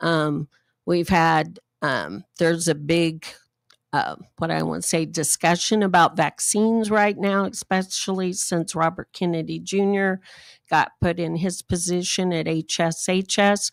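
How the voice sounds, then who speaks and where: A woman's plain, everyday voice, fairly low-pitched with fairly even intonation and a fairly slow pace, in a dry, close sound with no echo on a very clean recording with a silent background. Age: 60s. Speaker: health educator. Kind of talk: interview.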